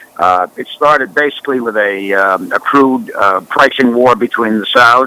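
In an ordinary speaking voice, a man talks at medium pitch and a moderate pace with ordinary pitch variation. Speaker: professor and author. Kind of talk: radio interview.

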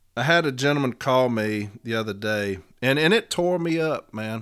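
A man speaks in a plain, everyday voice at medium pitch and a moderate pace, with lively intonation. The recording is very clean, with a silent background. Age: 50s. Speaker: union representative for postal carriers. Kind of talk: casual solo podcast monologue.

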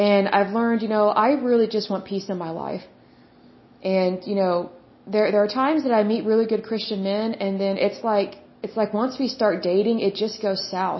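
Somewhat breathy, a woman talks at medium pitch and a moderate pace with fairly even intonation. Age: 30s. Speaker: podcast host, Bible teacher. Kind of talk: devotional Bible teaching monologue.

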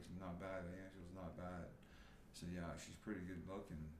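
With audible room echo, a man with a very deep, low pitch talks at a fairly quick pace. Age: 50s. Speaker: podcast guest. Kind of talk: casual chat. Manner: halting.

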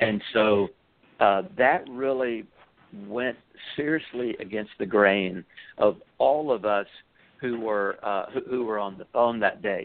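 In a Southern US accent, a man of medium pitch talks at a fairly slow pace with long, frequent pauses and ordinary pitch variation. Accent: Southern American. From US South. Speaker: documentary maker. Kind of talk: roundtable discussion on radio.

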